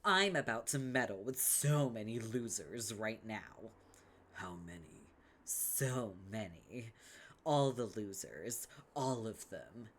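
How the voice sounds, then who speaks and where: A man's voice: fairly low pitch, animated, takes it slowly, a bit bright, heavily acted. A man voicing a smug, scheming young female troll with a brash, sarcastic delivery.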